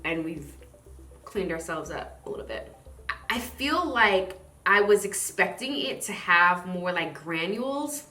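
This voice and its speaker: A woman's voice: lowish voice, lively intonation, unhurried, sharp tone, echoey room. A woman from the southern United States chatting casually to camera as a skincare reviewer, in a bubbly, playful manner. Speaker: skincare vlogger and product reviewer.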